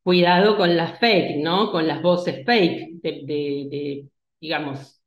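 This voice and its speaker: A woman's voice: deep voice, slow pace. Woman lecturing, roomy sound. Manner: hesitant, many restarts and fillers, asks "¿sí?". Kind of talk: online lecture.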